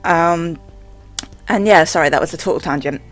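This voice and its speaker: A vlogger with a mid-range voice chats to the camera at a moderate pace over soft background music. The rambling is casual and hesitant, with a stammer and many filler "like"s.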